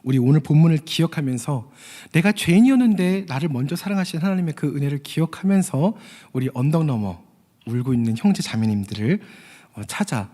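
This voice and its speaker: Male preacher, earnest sermon delivery, warm husky voice with lively pitch, long church-hall reverb. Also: brisk. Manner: earnest, tells a story with quoted voices, addresses listeners.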